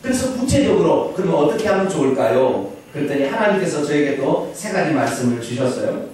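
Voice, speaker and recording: A male pastor preaching a sermon in a church, with animated, emphatic calls to the congregation. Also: on the high side, brisk, slight background noise. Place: church sanctuary. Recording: echoey church hall, distant mic.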